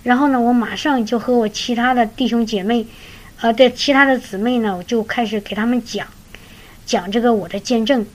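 Woman giving a sermon, earnest, keeps repeating words, kinda high voice. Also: brisk, rough recording. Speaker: preacher sharing a testimony. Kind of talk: sermon-style storytelling.

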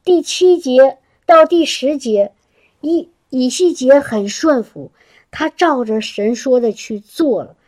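High-voiced woman preaching a lively sermon. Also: takes it slowly. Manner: animated, exclamatory, laughs often, repeats words.

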